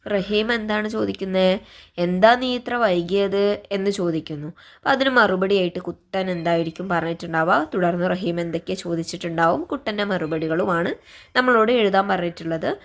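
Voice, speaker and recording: A woman teaches a primary school class in a gentle, patient voice. She reads a short story aloud and then goes through the questions one by one, speaking warmly to the children. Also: mid-range voice, a little fast.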